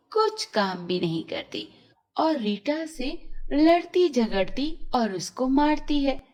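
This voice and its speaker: Slow, lilting woman storyteller. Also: sits high. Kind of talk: scripted children's story narration.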